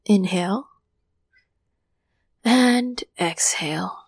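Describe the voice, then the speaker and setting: A woman hosting a meditation podcast, guiding listeners gently through breathing and affirmations in a calming voice, with some cues softly whispered. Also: medium pitch, very slow, slightly rough, no echo. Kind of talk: guided meditation.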